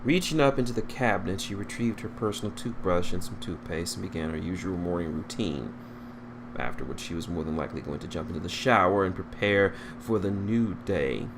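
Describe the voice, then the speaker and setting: A man's voice: deep voice, brisk, vocal fry, noisy background. A man reading a story aloud as narrator, now and then stumbling and rereading a phrase. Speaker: fan fiction reader.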